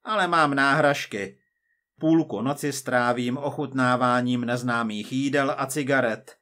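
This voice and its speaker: Man reading as a cold future agent, measured, menacing, patient, storybook reading. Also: mid-range voice, pushed and bright, close to an everyday voice.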